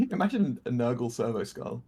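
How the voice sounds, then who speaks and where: A man chatting with a streamer friend over voice chat, riffing in a rambling, animated way full of "like". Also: medium pitch, a little slow, breathy edge. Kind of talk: casual gaming chat.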